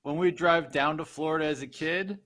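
A man from Philadelphia co-hosting a sports podcast, tossing out quick, playful quips. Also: fairly high pitch, steady tone, a bit bright. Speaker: podcast co-host. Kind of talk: casual chat.

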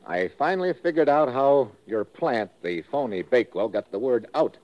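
A man's voice: medium pitch, animated, normal speed, a little mellow, close to an everyday voice. A man acting as a tough, wry American secret agent in a 1950s radio drama, with clipped hard-boiled narration. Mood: wry, defiant. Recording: muffled old radio recording with music.

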